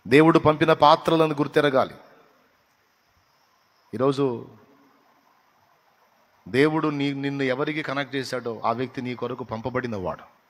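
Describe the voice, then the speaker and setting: A male pastor delivers a sermon in a mid-pitched voice. He drops to quiet asides, then rises to loud, hammering lists. The long reverb of a prayer hall carries every word. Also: measured pace, pauses often. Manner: lively, swings between soft asides and loud emphatic lists.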